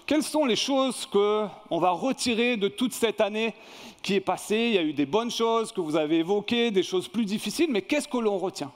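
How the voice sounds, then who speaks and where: A man leading a church service as pastor, running a lively film quiz and asking the congregation questions. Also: high voice, moderate pace. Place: church hall. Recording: long reverb in a church hall.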